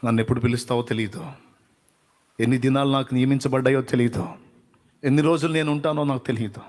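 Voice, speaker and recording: A man's voice: medium pitch, steady tone, quick pace, a little mellow, big-room sound. A male preacher giving a devotional sermon, fervently pleading in prayer to God. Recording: clear background music under the voice.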